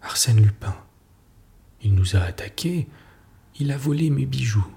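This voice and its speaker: A distraught society lady pleads her case in a breathless, emphatic rush, as a man reading a story puts her on. The voice stays slow and gravelly, with a dark, mellow tone. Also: mid-range voice, animated. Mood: agitated, insistent. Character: distraught, insistent middle-aged society lady.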